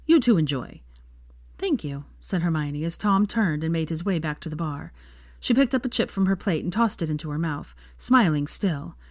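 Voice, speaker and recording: A woman with a fairly low voice reads a story aloud, narrating steadily. She gives each character a small shift in pitch as their lines come up. The sound is dry and close, with no room echo. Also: normal speed. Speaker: fan fiction reader.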